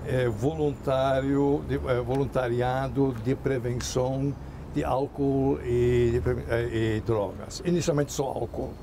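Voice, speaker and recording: Man, 80s, from Germany, native German, gravelly, hesitant, noisy background. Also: medium pitch, fairly even intonation, slow. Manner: hesitant, with fillers and restarts. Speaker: author, interview guest. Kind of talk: conversational interview answers.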